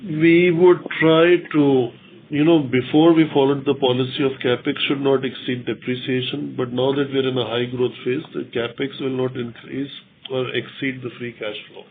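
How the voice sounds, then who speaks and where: A man with an Indian accent answering as a company executive on an earnings call, in measured short phrases. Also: mid-range voice, little pitch movement. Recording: tinny phone line, faint noise.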